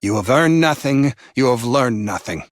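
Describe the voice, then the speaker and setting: An actor playing a contemptuous, bitterly disappointed overseer in a video game, delivering scornful, weary put-downs in a deliberate way. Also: male voice, mid-range voice, expressive, dry recording, studio quality, close to an everyday voice. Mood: cold disappointment. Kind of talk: scripted video game character acting.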